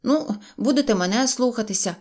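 A woman voicing a boastful, hot-headed little boy in an audio fairy tale, shrill and excitable. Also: fairly quick, natural voice. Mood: bossy.

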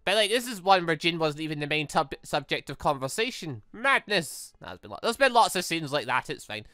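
A gaming video host delivers exclamatory, rambling commentary on a playthrough, reading dialogue aloud and often interrupting themselves mid-thought. The voice is mid-range and sharp with big pitch swings and a slightly fast pace. The recording is dry and studio quality.

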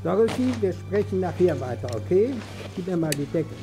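A tense, secretive man in a horror audio drama. He is curt in delivery, and music plays clearly behind his voice. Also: high-pitched, lively intonation, a little fast.

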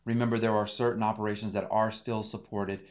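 A man's voice: on the low side, level tone, fairly quick, a little mellow. Male instructor, 30s, explanatory tutorial read, slightly muffled home-office audio. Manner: explanatory, talks through each click. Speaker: data engineering instructor. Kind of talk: screen-share tutorial.

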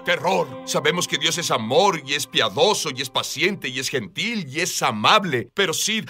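A man's voice: fairly high pitch, bright, forceful tone. A man giving an earnest, emphatic testimony as a guest in a dubbed interview, recorded as a studio voice-over with music underneath. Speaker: guest telling of a vision.

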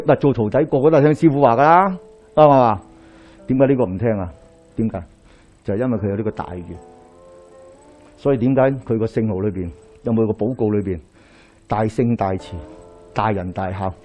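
Cantonese man telling stories at a lecture. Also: medium pitch. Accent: Hong Kong Cantonese. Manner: animated storytelling with rhetorical questions, pacing while gesturing. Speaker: Daoist priest lecturer. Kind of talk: lecture to a live audience. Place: small lecture hall indoors, in front of a screen.

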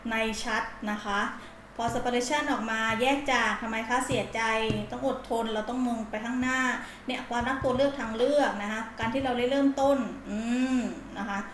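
Tarot reader lady, kinda high voice, blunt slangy and dramatic, echoey room. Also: steady tone, moderate pace, a little hiss or hum. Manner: dramatic, acts out the listener's feelings in first person. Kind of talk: casual pick-a-card tarot reading. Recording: roomy echo.

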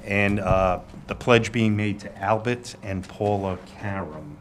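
Low-voiced man chairing a hearing. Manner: measured, procedural, deliberate. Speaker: licensing board chair. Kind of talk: formal meeting procedure. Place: city hall hearing room. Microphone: table microphone. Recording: noisy government TV meeting audio.

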